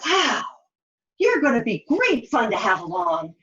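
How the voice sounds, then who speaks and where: Puppet-show heroine, woman performer: high, swooping delivery, weary, muddled, dramatically exclamatory. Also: wildly swooping pitch, measured pace, noisy background. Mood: playful, bossy. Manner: dramatic, self-talking, exclamatory. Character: scatterbrained, weary, exasperated heroine of a fairy-tale quest. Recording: dull lo-fi sound.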